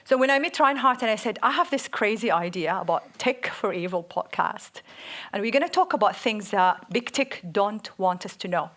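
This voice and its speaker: A woman's voice: medium pitch, normal speed. Arabic accent lady cohosting a live podcast, outspoken, laughs a lot. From Saudi Arabia. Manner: energetic, outspoken, laughs often. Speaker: podcast co-host. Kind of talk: live podcast panel talk. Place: on stage at a live event.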